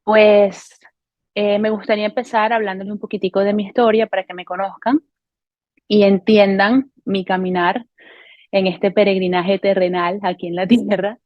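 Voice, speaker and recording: A woman in her thirties from Venezuela shares a personal faith testimony straight to camera, earnest and unhurried. She pauses often and corrects herself as she goes. The recording is dry and a little muffled. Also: medium pitch, little pitch movement, no echo. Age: 30s. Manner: earnest, unhurried, with frequent hesitations and self-corrections. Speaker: testimony speaker.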